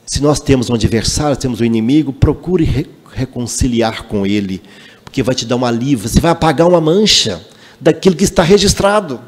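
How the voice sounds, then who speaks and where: A lively man from Minas Gerais, Brazil, lectures at a spiritist center, mixing spiritual teaching with personal stories in an emphatic, animated way. His mid-range voice is brisk with a breathy edge. The meeting hall gives a long reverb.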